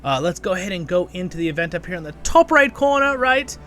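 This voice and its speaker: Guy doing a chatty game walkthrough, bright highish voice, rambles a bit, game music behind him. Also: very animated, fast talker. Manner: rambling, chatty, addresses viewers as friends. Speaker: gaming channel host. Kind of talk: casual gameplay guide commentary. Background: game background music.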